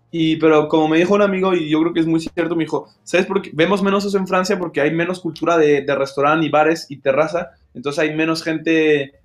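A young adult man with a Mexican accent, co-hosting a casual podcast chat, slangy and dropping English phrases. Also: a little high. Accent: Mexican Spanish. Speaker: podcast co-host.

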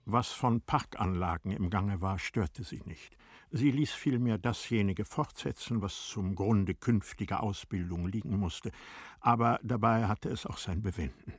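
A male narrator tells a classic literary story in a formal, measured way. His voice is low and husky, recorded close and dry. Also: dry recording.

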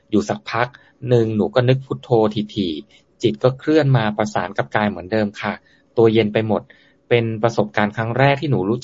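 A man's voice: fairly low pitch, muffled recording. A man moderator who names each sender and plainly reads out listener questions to the monk. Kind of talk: reading questions aloud.

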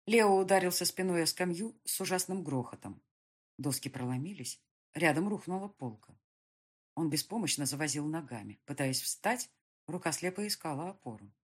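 A woman's voice: deep voice, breathy edge. A woman narrating an audiobook in the first person, reading dramatically and expressively. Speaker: audiobook reader.

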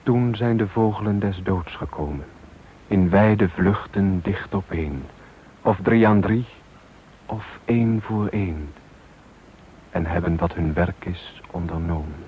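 A man giving a grave, reverent poetry recitation in a radio play. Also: sits low. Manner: grave, slow, reverent phrasing. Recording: tinny narrow-band old radio recording, slight hiss.

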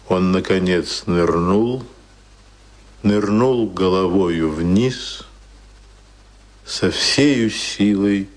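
Низкий, неторопливыйрассказчик, торжественный тон. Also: male voice, on the low side, a little mellow. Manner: measured, solemn. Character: solemn, grave storyteller. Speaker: narrator. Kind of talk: scripted dramatic narration for a radio play. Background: faint music.

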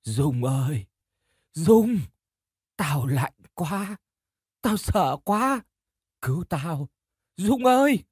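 A man voicing a crying ghost of a young girl, cold and frightened, calling out in slow, drawn-out wails. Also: on the high side, big pitch swings, darkish tone, breathy edge, no room sound, clean studio sound, voice pushed up, exaggerated voice. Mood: mournful wailing. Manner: wailing, drawn-out calls.

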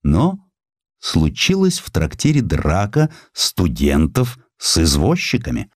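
A man reading a historical sketch as an audiobook narrator, in an expressive, theatrical storytelling style. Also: low-pitched, slow pace, no room sound, clean studio sound. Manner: theatrical, dramatic storytelling delivery.

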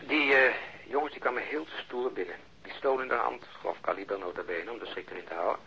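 An actor playing an exasperated, sardonic police officer in a radio drama, with a husky voice and dry, deliberate delivery. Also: male voice, mid-range voice, pushed and bright, a little hiss or hum. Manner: dry, deliberate, ironic storytelling. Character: exasperated, sardonic male police officer recounting a botched stakeout. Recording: dull lo-fi old radio recording.

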